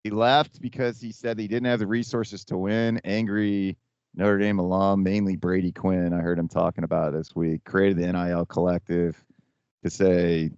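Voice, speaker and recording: Deep-voiced wry male sports guest. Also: little pitch movement, normal speed, darkish tone, clean tone, dry recording. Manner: wry, blunt, swears. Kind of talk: casual sports chat. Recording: dry, dull lo-fi audio.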